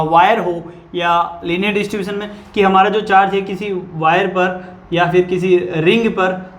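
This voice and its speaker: Echoey high-voiced male physics tutor. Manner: asks questions and answers them himself, says "guys" a lot. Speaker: physics teacher. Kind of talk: whiteboard lecture. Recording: echoey room.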